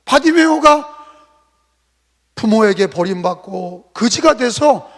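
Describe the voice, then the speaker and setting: A man preaches from the pulpit in an unusually high voice with a gravelly edge. He presses his point with rhetorical questions and sudden loud bursts. His words trail off into a long hall echo. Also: lively intonation, slow pace. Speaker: pastor. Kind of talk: sermon. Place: church sanctuary.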